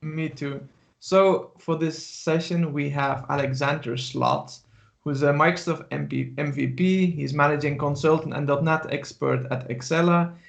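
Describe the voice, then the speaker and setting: A man hosting an online community event, introducing a guest speaker in a friendly, slightly halting way over a video call. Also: fairly high pitch, fairly even intonation, creaky. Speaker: host. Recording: dull lo-fi call audio.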